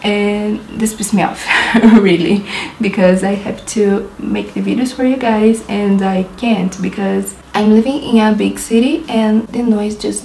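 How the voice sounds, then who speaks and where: A young Brazilian woman speaks English with a Brazilian Portuguese accent, in a mellow, warm tone. She chats casually and laughs often as she talks through each makeup step. Her voice echoes a little in an apartment room, with faint noise behind. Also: medium pitch, creaky. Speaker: beauty vlogger. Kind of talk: makeup tutorial chat. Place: apartment in a big city.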